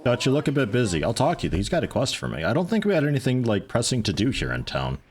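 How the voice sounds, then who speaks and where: A man livestreaming a video game, chatting in a mellow, soothing, rambling way. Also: medium pitch, wildly swooping pitch, fast. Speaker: gaming livestreamer. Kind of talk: casual livestream commentary.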